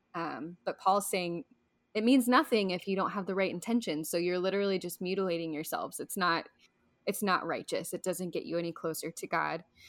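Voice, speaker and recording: Here a woman speaks with an American accent and a medium pitch. She goes at a fairly quick pace with ordinary pitch variation, on a very clean recording with a silent background. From US Midwest. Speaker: podcast co-host, Bible teacher. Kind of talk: Bible teaching chat.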